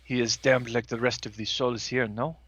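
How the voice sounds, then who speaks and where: A man's voice: medium pitch, fairly even intonation, moderate pace, fairly bright tone, breathy edge. A man chatting casually as a player in a tabletop game, partly speaking in character.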